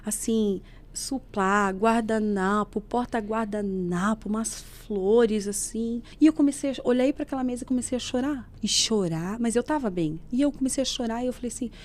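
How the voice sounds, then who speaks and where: Lively woman sharing a faith testimony. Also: on the high side, normal speed. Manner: lively storyteller who acts out quoted speech. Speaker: podcast guest giving a faith testimony. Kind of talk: emotional personal testimony in casual chat. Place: podcast studio.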